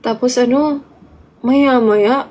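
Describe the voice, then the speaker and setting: A young woman telling a story on a casual live stream, chatty and excitable. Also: sits high, takes it slowly. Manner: chatty, excitable, mixes Tagalog and English.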